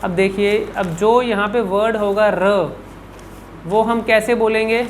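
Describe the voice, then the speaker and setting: Man, speech coach, unhurried instructional delivery, repeats sounds to demonstrate, faint background noise. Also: high voice, steady tone, low-quality recording. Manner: deliberate, demonstrates sounds by repeating syllables and words. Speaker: speech and public speaking coach. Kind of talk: instructional video answering viewer questions.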